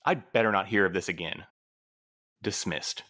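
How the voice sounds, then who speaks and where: An actor playing a stern, dutiful postmaster in an audio drama, with a dramatic, formal, commanding manner. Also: male voice, low-pitched, normal speed, background noise, close to an everyday voice. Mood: cold warning. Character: stern, dutiful, theatrical male postmaster of couriers.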